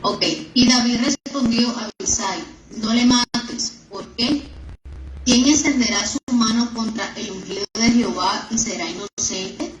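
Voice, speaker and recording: A woman's voice: on the high side, measured pace, echoey room, a little hiss or hum, poor audio. A woman, a student in the class, reading Bible verses aloud carefully and steadily.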